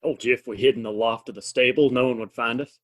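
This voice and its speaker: Wily frontier cowboy, male actor, medium-pitched, casual, folksy radio-play delivery. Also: fairly even intonation, fast, noisy background, close to an everyday voice. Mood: pleased, sly. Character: easygoing, wily Old West cowboy. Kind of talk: audio play acting.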